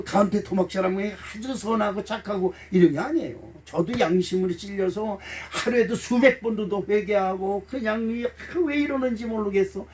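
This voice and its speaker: This middle-aged pastor has a high, slightly mellow voice, caught by a distant mic in the church sanctuary. His sermon is warm and emotional in a folksy way, full of acted-out exchanges and blunt humor aimed at the congregation.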